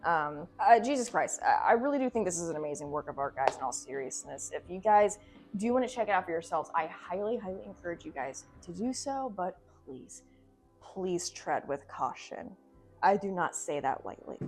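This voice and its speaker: A woman with a slightly low voice hosts a casual video commentary. She is sarcastic and irreverent, swears freely and leans into theatrical exaggeration. Music plays behind her. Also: very animated, normal speed, darkish tone. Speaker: video essay host. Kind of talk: casual, joking video commentary on a horror series. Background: background music.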